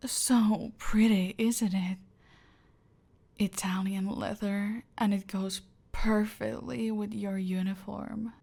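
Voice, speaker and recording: A woman playing a whispering, gravelly cartel queen. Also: medium pitch, flat delivery, warm tone. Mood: silky, menacing. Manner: slow, deliberate, often whispered commands. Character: domineering female cartel boss, cold and controlling. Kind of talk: ASMR roleplay.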